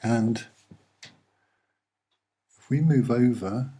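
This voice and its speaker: A soft-spoken man with a slightly husky voice, presenting and explaining images in an unhurried, earnest way with hesitant pauses. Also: mid-range voice. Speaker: online video presenter.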